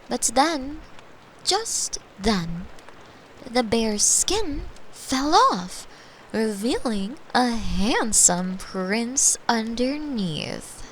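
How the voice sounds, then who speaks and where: A woman plays a caring girlfriend reading a bedtime tale in a fairly high voice. The delivery is extremely slow and gentle, playful in spirit, with clear background ambience noise behind it. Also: low-quality recording. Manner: gentle, unhurried, playful asides to the listener. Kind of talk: soft bedtime storytelling, sleep-aid roleplay.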